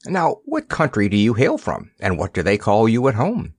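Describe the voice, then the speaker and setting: A man's voice: fairly low pitch, huge pitch swings, moderate pace, husky, dry recording, studio quality, heavily acted. A man voicing a jolly, stout ship's cook who is also a king, chatty and coaxing, in a storybook reading. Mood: curious.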